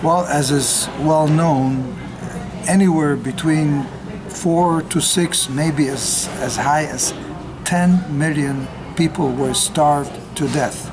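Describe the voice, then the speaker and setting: An older man who grew up in the United States, a retired sociologist giving an unscripted personal account, often pausing on fillers as he speaks. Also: fairly high pitch, noisy background. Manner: halting, with frequent filler pauses. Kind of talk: unscripted spoken testimony.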